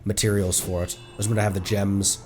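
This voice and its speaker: A man's voice: lowish voice, little pitch movement, fast, a little mellow. A man livestreaming a video game with casual, rambling commentary, thinking aloud as he plays. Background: video game music.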